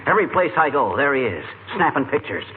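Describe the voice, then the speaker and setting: A man's voice: a little high, big pitch swings, fast talker. A man playing a blustering, boastful husband. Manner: bragging, ungrammatical bluster. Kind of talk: 1940s radio comedy acting. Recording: tinny old radio with clear hiss.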